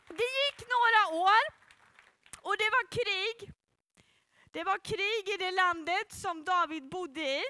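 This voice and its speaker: A woman telling a Bible story to children in a playful, animated way and bringing up child volunteers. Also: very high voice, no room sound. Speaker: children's church leader.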